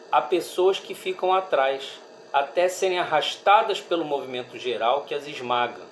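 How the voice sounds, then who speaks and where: A man with a Brazilian accent giving a religious study talk in a reflective, halting way, often checking in with listeners. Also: a little high, a little hiss or hum, poor audio. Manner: reflective, halting, with frequent rhetorical check-ins. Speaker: speaker at a Spiritist study group.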